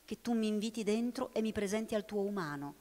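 A woman's voice: medium pitch, lively intonation, brisk, dark tone, natural voice. A woman reading a big black harbor tomcat. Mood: insistent. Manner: pleading, earnest. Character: big black male harbor cat, earnest and persistent. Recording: long hall reverb.

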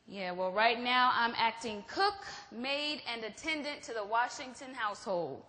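A woman's voice: on the high side, expressive, measured pace, sharp tone. A woman acting in a stage play as an anxious, defensive wife who insistently brushes questions off. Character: Gloria, defensive anxious wife covering for her husband. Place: theatre stage. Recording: echoey theatre hall.

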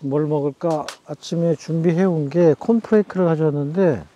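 A man chatting casually to viewers as a camping vlogger, talking things through in an unhurried, thinking-aloud way. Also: on the high side, warm tone, highs cut off, slight background noise. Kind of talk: casual vlog chat.

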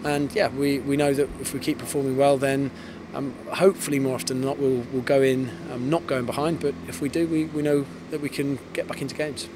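A man in his thirties, an English football head coach, giving a post-match interview outdoors on a floodlit pitch at night, fast and thoughtful with many restarts. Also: little pitch movement. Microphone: handheld interviewer mic. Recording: outdoor with clear background noise.

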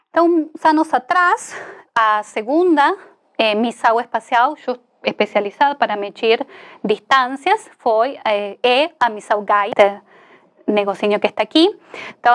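A woman in her thirties lecturing in Spanish-accented Portuguese, a native Spanish speaker mixing in Spanish words and pausing hesitantly as she explains. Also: fairly high pitch. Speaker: astronomy lecturer. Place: indoor lecture studio beside a large screen.

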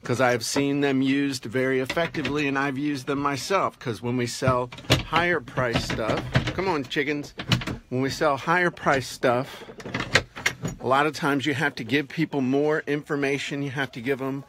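A man's voice: mid-range voice, fairly even intonation, moderate pace, very noisy. A man in his fifties giving blunt, plain-spoken advice in a casual vlog, recorded outdoors on a phone held at arm's length. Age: 50s. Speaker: vlog host, online marketing advisor. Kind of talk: casual talk to camera while doing chores. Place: outdoors in a rural backyard by sheds.

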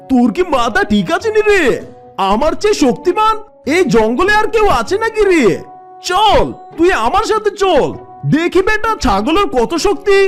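A high, wildly animated cartoon tiger. The big bully is boastful and blustering, throwing out challenges over background music. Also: female voice, a little slow, heavily acted. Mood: boastful, challenging. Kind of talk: children's cartoon voice acting.

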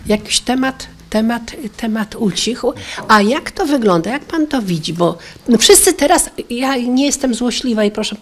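A woman's voice: fairly high pitch, lively intonation, moderate pace, hardly any pauses. A woman in an audience putting a spontaneous question to a speaker. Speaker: audience member asking a question. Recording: faint background noise.

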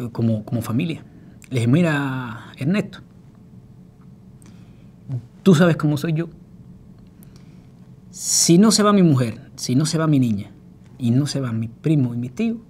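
A man's voice: medium pitch, dark tone, a little hiss or hum. A middle-aged man with a Cuban Spanish accent, giving earnest personal testimony and acting out other people's words. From Cuba. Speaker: former political prisoner recounting his story.

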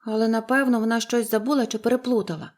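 A woman's voice: fairly even intonation, quick pace, natural voice. A woman voicing a cheerful, chatty young orphan girl who talks eagerly and gushes in a storybook reading. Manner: eager, gushing, high and bright.

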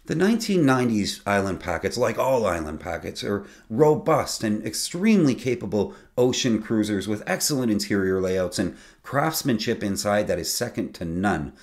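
Lively man explaining sailboats on camera. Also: on the low side, moderate pace, few pauses. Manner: lively, conversational, explains technical detail plainly. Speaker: sailing channel host. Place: small home studio with lit shelves.

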